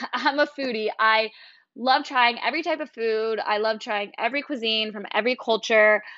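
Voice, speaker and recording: At a moderate pace, a woman with a fairly high pitch speaks in a normal speaking voice with ordinary pitch variation. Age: 20s. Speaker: podcast host. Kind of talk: solo podcast talk.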